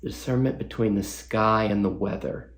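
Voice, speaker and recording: A man leading a guided meditation as a guest teacher, speaking gently with long pauses and reflective questions. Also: lowish voice.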